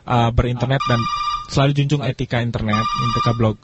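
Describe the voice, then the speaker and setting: A man hosts a casual talk radio show on a lo-fi streaming broadcast, answering listeners and repeating phrases for emphasis. His voice is medium-pitched with fairly even intonation and a brisk pace. The audio is dull and lo-fi, with loud noise.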